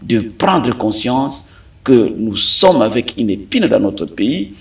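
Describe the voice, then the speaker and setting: A Congolese man speaking as a political analyst in a debate, deliberate and emphatic, pausing often to hesitate. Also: on the low side, very animated, far from the mic, slight background noise. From Democratic Republic of the Congo. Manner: deliberate, frequent hesitations, rising emphatic stresses. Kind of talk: studio debate commentary.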